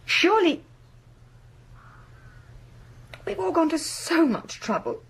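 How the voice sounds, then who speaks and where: A woman's voice: very high-pitched, sing-song, moderate pace, vocal fry, heavily acted. Genteel, brittle lady, swooping intonation. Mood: anxious, disappointed. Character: lady of the house, genteel, lonely, brittle and insistent. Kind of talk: BBC radio horror play acting.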